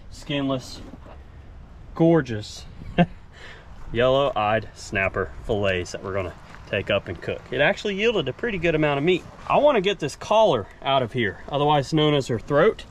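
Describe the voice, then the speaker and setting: A man, casually explaining each step as he works, like a vlogger teaching. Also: a little high. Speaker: fishing and cooking vlogger. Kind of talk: casual instructional narration while working. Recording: noisy action-camera audio, outdoors and kitchen.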